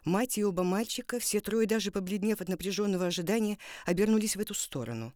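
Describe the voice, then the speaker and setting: A woman reads literary prose as a dramatic narrator. Her delivery is deliberate and expressive, at a medium pitch, recorded dry and close. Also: dry recording.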